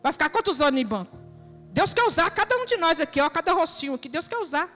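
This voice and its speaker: A high-pitched woman preaches to a congregation, urging and questioning in plain colloquial speech. Her voice rings through a reverberant church hall, with soft music underneath. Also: big pitch swings, fast talker. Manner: earnest, exhorting, colloquial, with rhetorical questions. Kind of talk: sermon.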